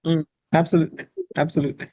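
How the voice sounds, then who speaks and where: A woman's voice: low-pitched, flat delivery, racing, warm tone, breathy edge. A woman who hosts a live interview, affirming her guest and asking probing questions. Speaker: host.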